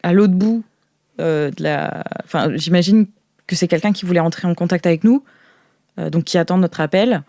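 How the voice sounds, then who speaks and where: A woman playing a flustered insider guide in an improvised audio role-play, explaining things in a halting, hesitant way. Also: on the low side, vocal fry, warm tone, no echo. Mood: earnest. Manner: hesitant, halting, searching for words.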